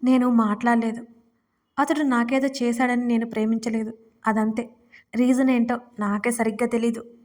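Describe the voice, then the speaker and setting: A woman's voice: a little high, flat delivery, normal speed, a little mellow, lightly acted. A woman voicing a tearful young wife who pleads emotionally in an audio story. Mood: pleading.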